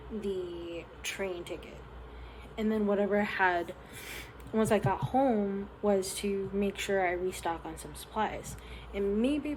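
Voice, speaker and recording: Tired woman, mellow voice, rambling. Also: medium pitch, a little hiss or hum, poor audio. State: voice slightly strained, starting to go. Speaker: small craft business owner vlogging. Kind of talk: casual rambling vlog diary. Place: hotel room.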